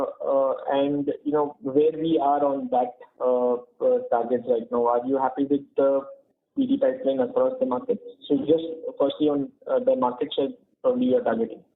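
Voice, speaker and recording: A man, an analyst asking hesitant, halting questions over a thin phone line. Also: on the high side, vocal fry. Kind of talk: question on a conference call. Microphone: telephone.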